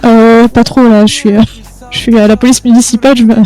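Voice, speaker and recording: A woman's voice: fairly high pitch, flat delivery, brisk, warm tone, rough recording. Hesitant woman in gaming chat, faint music. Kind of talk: casual gaming roleplay chat.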